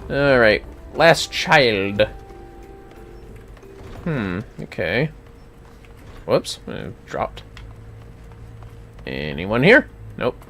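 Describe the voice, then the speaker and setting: A game streamer with a medium-pitched, very animated voice talks casually over game music. The delivery is loose and salty, drifting into self-directed muttering. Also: drawn-out words, long pauses. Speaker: livestreamer playing an online fantasy game. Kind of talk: casual gameplay commentary.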